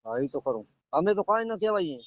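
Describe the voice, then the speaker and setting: A man's voice: high-pitched, very animated, a little fast, no echo. A man with a Gujarati accent debating on a phone call, conceding points and putting his objections in a conciliatory way. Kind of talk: argumentative phone conversation. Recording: dull, dry lo-fi phone call.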